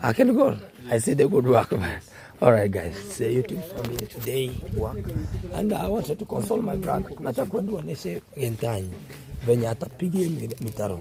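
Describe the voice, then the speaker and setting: The voice moves at a fairly quick pace with very wide pitch swings, over noticeable background noise. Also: man, medium pitch for a man. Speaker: vlogger. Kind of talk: casual vlog.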